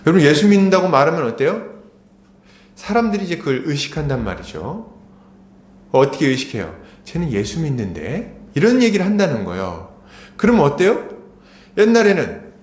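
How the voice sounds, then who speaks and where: A middle-aged man delivers a sermon in a church, the hall ringing with echo. He speaks conversationally, posing question after rhetorical question, becoming more urgent as his pitch climbs.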